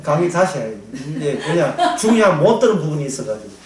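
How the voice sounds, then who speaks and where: Animated male Bible teacher, high bright pitch, recorded at a distance in a roomy hall. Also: fast, a crowd in the background. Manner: animated, acts out quotes, laughs often. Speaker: Bible lecturer. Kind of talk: sermon-style Bible lecture. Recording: echoey room, distant mic.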